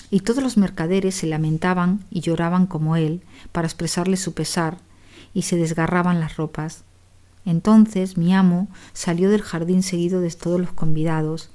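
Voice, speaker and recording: A woman reading a storybook aloud as an audiobook narrator, in a measured, dramatic way. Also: on the low side, mellow.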